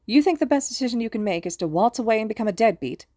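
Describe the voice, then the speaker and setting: A woman's voice: on the high side, expressive, normal speed, no room sound, voice pushed up. Lady narrator doing a furious sweary woman telling someone off, seething, punchy delivery, dry audiobook sound. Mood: seething, indignant. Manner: forceful, seething, snapping, emphatic. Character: fierce, furious, foul-mouthed woman scolding a friend.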